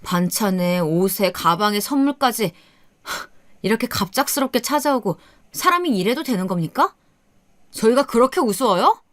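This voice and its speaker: A woman's voice: fairly high pitch, animated, normal speed, dry recording, lightly acted. Woman reading an angry husband telling off his family, dry close sound. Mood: indignant. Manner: angry, lecturing. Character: indignant young husband, man.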